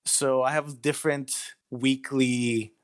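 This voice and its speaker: A man from Greece speaks as a guest writer in a relaxed interview. His middle-pitched voice comes with a hesitant, self-deprecating manner. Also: slow. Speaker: guest writer of audio horror stories. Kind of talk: casual interview chat.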